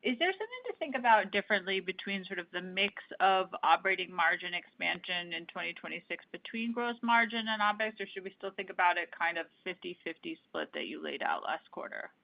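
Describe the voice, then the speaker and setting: A woman's voice: on the low side, expressive, fairly quick, gravelly, few pauses, no room sound. A woman speaking as a financial analyst, putting questions on a conference call. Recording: dull, band-limited call audio.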